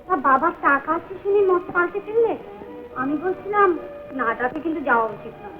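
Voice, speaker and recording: Teasing quick-witted wife, very high lively voice, tinny old film sound, faint music. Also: female voice. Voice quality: sharp, teasing. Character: sharp-tongued young wife, teasing and quick. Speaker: wife in a family film drama. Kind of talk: vintage film acting.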